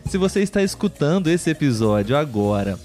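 A Brazilian man hosting a live podcast chat for learners of Portuguese, speaking clearly and in a measured way and often checking in with his co-host. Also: on the high side, very animated, a little mellow, soft background music.

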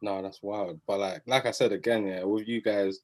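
A man's voice: fairly low pitch, steady tone, moderate pace. A man with an urban London roadman accent hosting a casual podcast, slangy and repeating phrases for emphasis. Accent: London, urban street slang. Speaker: podcast host.

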